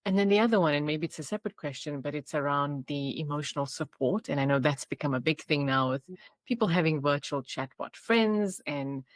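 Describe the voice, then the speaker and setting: Woman host, very low voice, unhurried hedged questions, dry close sound. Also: no echo. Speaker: podcast host. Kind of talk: podcast interview.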